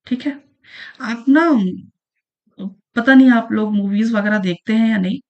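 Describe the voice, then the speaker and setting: A woman's voice: on the high side, measured pace, a little mellow, lo-fi sound. A woman teaching an online exam-prep lesson, patiently repeating each definition and checking in with the listener as she goes. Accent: Chhattisgarhi Hindi. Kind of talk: online lesson going through past exam questions.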